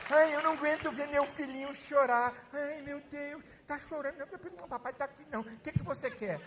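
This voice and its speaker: A man voicing a doting parent who fusses over a crying child in a soft, pleading way. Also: very high voice, fairly even intonation, fairly quick, crowd noise. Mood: fussing.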